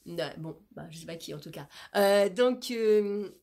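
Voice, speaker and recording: A woman's voice: mid-range voice, lively intonation, a little slow, gravelly, a little mellow. A woman in her fifties chatting casually to camera about her groceries, a little stuffy with a cold, cooing to her cat now and then. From France. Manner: chatty and playful, coos and baby talk to her cat. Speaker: vlogger. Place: bedroom with leafy wallpaper, indoors. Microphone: camera in front at close range.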